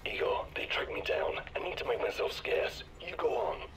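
An actor playing a gruff male sniper ally in a video game, speaking in a low husky whisper. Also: measured pace, fairly bright tone, lightly acted, poor audio. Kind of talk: game voice acting.

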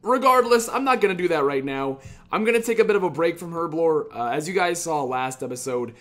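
A man's voice: on the high side, animated, brisk, a bit bright. Upbeat man narrating his gameplay. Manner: chatty, upbeat, swears casually. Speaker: gaming YouTuber. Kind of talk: casual gameplay commentary.

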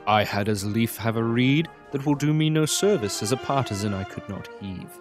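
Mid-pitched grumbling Roman servant played by a man. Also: normal speed, music in the background, close to an everyday voice. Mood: cynical. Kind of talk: Shakespearean audio drama acting.

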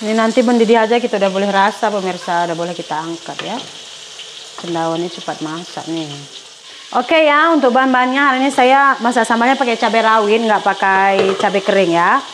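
Cooking in a home kitchen, a middle-aged Indonesian vlogger keeps up a chatty stream of talk, addressing her audience as "pemirsa." She speaks in a mid-range voice, a little fast, over a noisy background.

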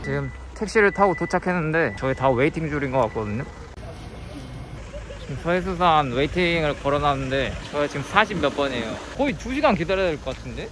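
A man's voice: on the high side, expressive, fast talker. A young man talking through a face mask, casually narrating a travel vlog to a handheld camera and joking with his companion. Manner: chatty, playful asides to his companion. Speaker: travel vlogger. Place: outdoors in a busy seaside area. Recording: outdoor recording with loud background noise.

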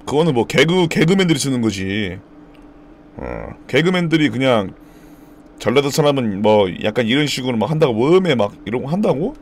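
Young male streamer, casual and animated, bursts into mock dialect shouts, faint background noise. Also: mid-range voice, a little fast. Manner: playful, mimics regional dialect words loudly. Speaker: live streamer. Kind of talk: casual stream chat, reading viewer comments.

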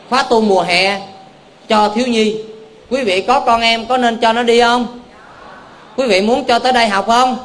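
High-voiced monk quizzing his congregation. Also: slight background noise. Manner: keeps quizzing the audience with call-and-response questions; homely, joking, folksy preaching. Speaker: Buddhist monk preacher. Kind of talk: dharma talk to a lay audience. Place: temple hall before a live audience.

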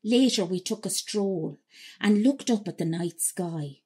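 A woman's voice: medium pitch, unhurried, a little mellow, breathy edge. An actress playing a romantic Irish woman who fondly recalls her youth in a radio drama, wistful and storytelling, with an Irish accent. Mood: dreamy, romantic. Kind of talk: radio drama monologue, reminiscing.

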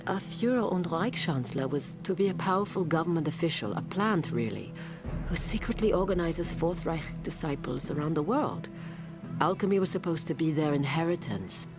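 An actress playing a guarded, intense woman professor in an espionage thriller motion comic, speaking in a measured, earnest way. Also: low-pitched, animated, music in the background. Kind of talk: dramatic motion-comic voice acting.

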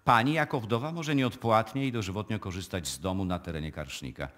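An actor playing a formal, discreet male notary in a radio play, speaking in a measured, officious manner. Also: fairly low pitch, fairly bright tone, natural voice. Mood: formal, official. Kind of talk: live radio play acting.

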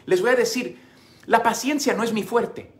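A man's voice: extremely high pitch, moderate pace. A man preaching a sermon as pastor, earnest and speaking straight to his listeners. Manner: earnest, direct address to listeners.

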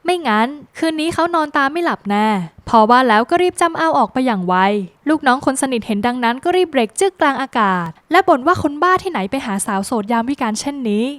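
A woman narrating a scripted drama plot recap in a brisk, lively storytelling manner with dramatic phrasing. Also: high voice, dry recording.

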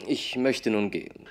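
A man's voice: mid-range voice, gravelly, husky, full character voice. A man playing an earnest young greenhorn. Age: young adult. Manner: earnest, quick to take offense. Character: earnest young immigrant surveyor, proud and touchy.

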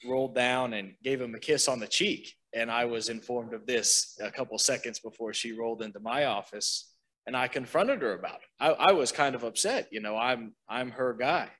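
Man, mid pitch, storytelling, amused, panel talk. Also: normal speed, low-quality recording. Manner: storytelling with laughter, relaxed. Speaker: administrator. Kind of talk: panel answer, anecdote. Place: meeting room.

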